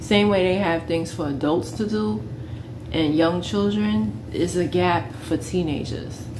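A woman with an American accent and a very deep, low pitch, speaking at a fairly slow pace over noticeable background noise. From New York City (Brooklyn). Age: 30s. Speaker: YouTuber and parent. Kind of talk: casual vlog monologue. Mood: earnest, critical. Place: home room. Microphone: phone near.

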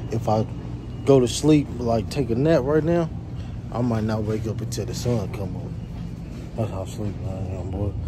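Music in the background beneath speech with ordinary pitch variation. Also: man. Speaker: truck driver vlogger. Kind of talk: casual vlog chat. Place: shop. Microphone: phone near.

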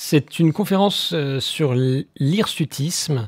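Against a quiet background with dry sound and no echo, a man with a fairly high pitch and lively intonation speaks at a very slow pace. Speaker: live stream lecturer. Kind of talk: live stream introductions and reading aloud. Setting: live video stream. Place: home room. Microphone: studio mic.

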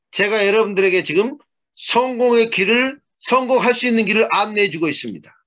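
A man with a Korean accent speaks very fast in a high, bright, sharp voice with ordinary pitch variation. The background is quiet. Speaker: business leader giving a vision lecture; motivational speaker. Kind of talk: lecture. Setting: video call. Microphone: video call.

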